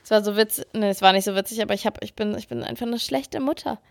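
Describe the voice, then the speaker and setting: A woman co-hosting a podcast, chatting casually and telling stories in a lively, self-mocking way. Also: medium pitch, quick pace, gravelly. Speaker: podcast co-host. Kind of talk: casual chat.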